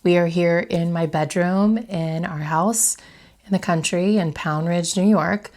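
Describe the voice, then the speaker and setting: A young adult woman hosting a vlog from her bedroom, speaking slightly nasally because of a head cold, in a calm, reflective coaching tone that asks the viewer direct questions. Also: on the low side, unhurried. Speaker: vlog host and interior designer. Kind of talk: motivational talk to camera.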